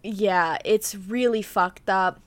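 A woman's voice: mid-range voice, fairly even intonation, takes it slowly, dry recording. Chatty young woman recounting a crime case. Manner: chatty, full of "like" and "um", reads notes aloud. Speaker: podcast co-host. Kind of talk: casual true-crime chat.

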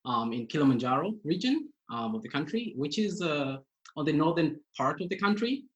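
A man from Tanzania, a guest on a podcast, speaking in a measured way with pauses and fillers. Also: on the high side, very animated, fairly bright tone, highs cut off. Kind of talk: casual interview.

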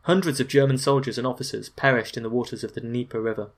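A man's voice: mid-range voice, steady tone, fast talker. A man giving a scripted history narration, wry and opinionated, with dry sarcastic asides.

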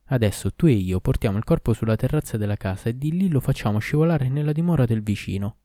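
A man's voice: medium pitch, lively intonation, quick pace, warm tone, no room sound, clean studio sound, natural voice. A man voicing a scolding wife in a storybook reading, reproachful and insistent. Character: scolding, sharp-tongued wife.

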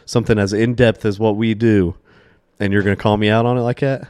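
A man's voice: on the low side, fairly even intonation, a little fast, darkish tone, smooth, no echo. Teasing man in his thirties, dry sound. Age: 30s. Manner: teasing, mock-indignant, laughs a lot. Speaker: podcast host. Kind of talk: casual banter.

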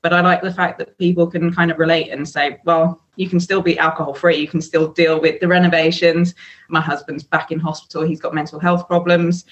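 A woman's voice: lowish voice, flat delivery, fairly quick, dull audio. An English woman in her thirties, a sobriety coach, talking candidly as a podcast guest with frequent fillers. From England. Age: 30s. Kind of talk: casual podcast interview.

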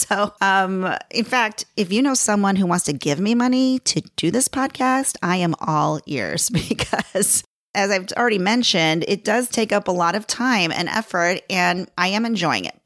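A woman's voice: lowish voice, fairly bright tone, no room sound, studio quality. A middle-aged woman with a Chicago accent hosting her own podcast, chatting casually and laughing at herself as she talks. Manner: chatty, self-deprecating, laughs often. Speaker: podcast host. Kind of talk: casual solo podcast talk.

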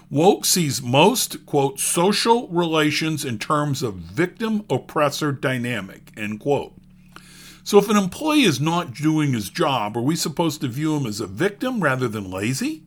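A middle-aged man delivers scripted opinion commentary on the news. His voice sits a little high and swings widely in pitch. He reads quotes aloud and breaks them with dry, wry asides. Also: a bit bright. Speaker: commentary host.

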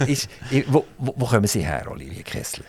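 A man with a Swiss German accent hosts a radio interview from the studio. He chats easily and jokes, keeping up a steady run of follow-up questions at a middle pitch. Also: brisk. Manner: chatty, jokey, asks many follow-up questions.

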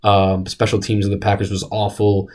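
A young man co-hosts a casual sports podcast. His voice sits a bit low, and he rambles animatedly, restarting sentences and piling on fillers as he goes. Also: completely flat delivery, moderate pace. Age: young adult. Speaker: podcast co-host. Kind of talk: casual chat.

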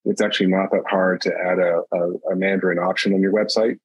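A man speaking as a podcast guest in a measured, explanatory way. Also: low-pitched, level tone, breathy edge, no echo, low-quality recording. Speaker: podcast guest, industry advisor. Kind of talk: conversational panel discussion.

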